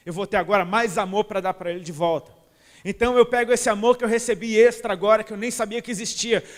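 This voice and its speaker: High-voiced Brazilian preacher in a reverberant hall. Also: male voice, steady tone, fast talker. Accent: Brazilian Portuguese. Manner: impassioned, colloquial, calls listeners "cara". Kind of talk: sermon. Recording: long reverb of a large hall.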